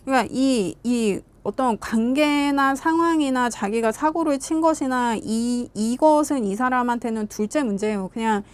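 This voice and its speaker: A woman with a fairly high voice giving a casual tarot reading. She speaks in a chatty, emphatic way and keeps turning to her viewers. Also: moderate pace, few pauses, clear, resonant tone. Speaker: tarot reader.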